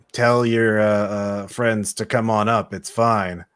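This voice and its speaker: A man does a put-on character voice, gravelly and fairly low, in a monotone, flat delivery at a fairly slow pace. The recording is very clean with a silent background. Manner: threatening, calmly.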